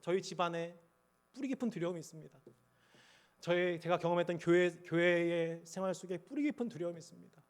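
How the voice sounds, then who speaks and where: Pastor type, man with a high voice, fervent pulpit preaching that goes from big cries to near-hushed confession. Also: quick pace. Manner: impassioned, swinging from loud cries to quiet confession. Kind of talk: sermon. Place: church sanctuary at the pulpit.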